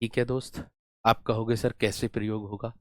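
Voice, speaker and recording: A man teaching a Hindi class, slowly repeating words, addressing students as friends, while running a fever. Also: lowish voice, little pitch movement, no room sound, clean studio sound. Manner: slow, drawn-out repetition of words. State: has a fever. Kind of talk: online class lecture.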